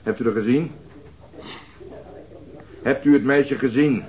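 An actor playing a stern, insistent police interrogator in a radio crime drama, firing clipped, formal questions. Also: male voice, medium pitch, slow pace, a little mellow, lightly acted. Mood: pressing. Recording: dull lo-fi radio drama recording.

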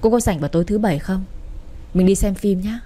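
Một người phụ nữ lồng tiếng chàng trai trẻ điềm tĩnh, tự tin. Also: female voice, mid-range voice, fast, natural voice. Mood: calm. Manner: calm, confident. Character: calm, self-assured young man.

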